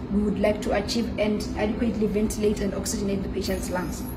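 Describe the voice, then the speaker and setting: The speaker is a woman. Noticeable background noise is present. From Botswana. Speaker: clinical technologist. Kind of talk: tutorial. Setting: hospital. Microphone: camera far.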